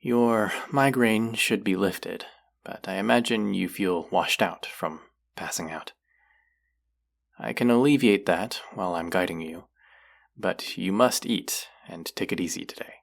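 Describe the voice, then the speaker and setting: A voice actor playing a caring but gently stern clinic guide in a roleplay audio drama, soft-spoken and concerned, talking straight to a patient. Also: deep voice, measured pace, vocal fry. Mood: soothing. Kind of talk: roleplay audio drama, speaking softly to the listener.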